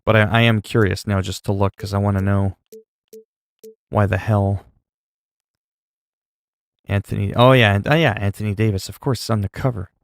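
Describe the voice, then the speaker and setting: Man, low gravelly voice, dry close sound, rambling gameplay chat. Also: fairly even intonation, moderate pace, pauses often, no echo. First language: French. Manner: rambling, self-talk with laughs and asides. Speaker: gaming streamer.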